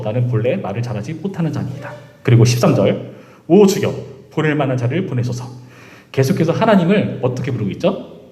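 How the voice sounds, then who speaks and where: A man's voice: medium pitch, mellow, echoey room. A male pastor giving a sermon at a youth service. He speaks straight to his listeners and often acts out the voices of figures from the scripture. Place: church sanctuary.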